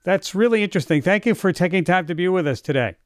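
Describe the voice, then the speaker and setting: A man hosting a public radio science talk show, speaking in an animated, lively way. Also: sits high, fast talker, no echo, studio quality.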